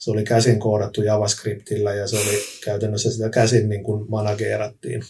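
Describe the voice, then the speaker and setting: A man speaks at a fairly low pitch and a fairly quick pace, with monotone, flat intonation. His tone is dark and mellow and somewhat breathy. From Finland, Tampere. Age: 40s. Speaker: disc golf entrepreneur and player. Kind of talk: podcast interview.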